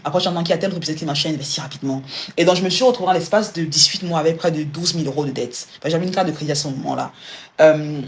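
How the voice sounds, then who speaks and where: A woman talking fast through a live stream on money advice, addressing her listener directly. Her sentences tumble out with restarts and repeated words. A faint hum of noise sits behind her. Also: low-pitched. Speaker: personal finance coach.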